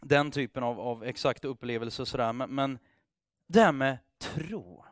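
A man's voice: medium pitch, no room sound, clean studio sound. A man preaching, telling a story in a loose, conversational way with restarts and acted-out dialogue. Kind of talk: sermon storytelling.

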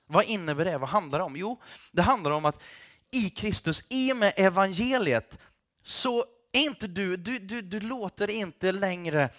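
A man delivers a passionate sermon with a high, bright voice. He swings between quiet, earnest stretches and loud, fervent bursts. He sprinkles casual English phrases into his preaching. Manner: passionate, shouting at times, mixes in English phrases. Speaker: pastor.

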